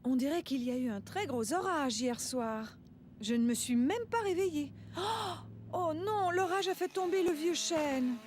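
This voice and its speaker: A woman's voice: high-pitched, normal speed, a little mellow, a little hiss or hum, lightly acted. A woman voicing a caring young mother in a children's cartoon, explaining things patiently. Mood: surprised, regretful. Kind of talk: French children's cartoon dubbing.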